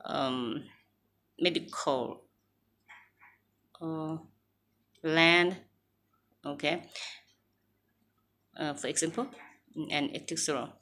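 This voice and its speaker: A woman in her forties with a Thai accent, talking haltingly to camera in English, with many fillers and restarts. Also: deep voice, sharp tone. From Thailand. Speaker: vlogger. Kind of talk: casual talk to camera. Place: small room indoors.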